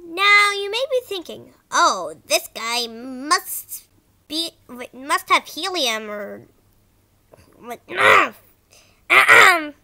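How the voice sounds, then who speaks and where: Girl voicing a squeaky quirky cartoon cat boy, bright n loud, bad acting, fumbles the script. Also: sing-song, very slow, heavily acted. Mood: perky, theatrical. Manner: bad amateur acting, stumbling over script. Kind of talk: amateur cartoon voice-over.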